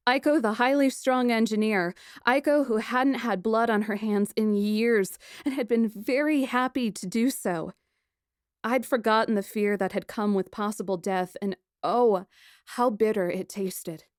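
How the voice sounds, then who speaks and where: A woman reading first-person fiction as an audiobook narrator, with a dramatic, expressive delivery. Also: on the high side, measured pace, clear, resonant tone, no echo, studio quality.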